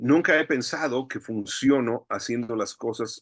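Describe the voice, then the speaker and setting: Dry and close with no echo over a quiet background, the voice moves at a very slow pace with ordinary pitch variation. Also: man. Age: 60s. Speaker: sound editor. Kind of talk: interview conversation.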